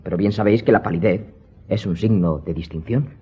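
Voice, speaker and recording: A man playing a breezy, amused young gentleman in a radio drama, with a jaunty, teasing manner. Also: on the low side, a little fast, breathy edge. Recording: dull recording.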